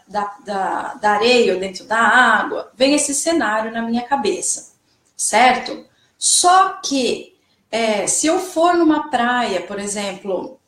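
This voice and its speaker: Chatty woman teaching voice, echoey room. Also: on the high side. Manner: didactic, checks in often with "né?" and "certo?". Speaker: singing teacher. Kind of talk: online music theory lesson.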